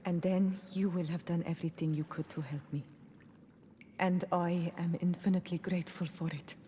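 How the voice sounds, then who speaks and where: Game role: young tribal healer woman played by an actress, lowish voice, solemn and devoted, speaks carefully. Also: steady tone, moderate pace, dark tone, long reverb tail, a little hiss or hum, lightly acted. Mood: solemn, grateful. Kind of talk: video game voice acting.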